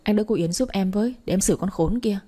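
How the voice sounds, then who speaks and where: A woman's voice: mid-range voice, quick pace, warm tone, close to an everyday voice. A woman voicing a spirited, feisty teenage girl. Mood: furious.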